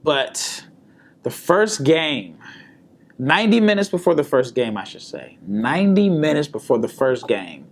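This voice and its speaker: A man hosting a solo basketball podcast in an easygoing, chatty way. His voice is slightly hoarse from a sore throat, and he often repeats words and restarts his sentences. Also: fairly high pitch, sing-song, a little slow. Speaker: podcast host and basketball scout. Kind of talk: casual solo podcast commentary. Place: hotel room or indoor spot in Las Vegas.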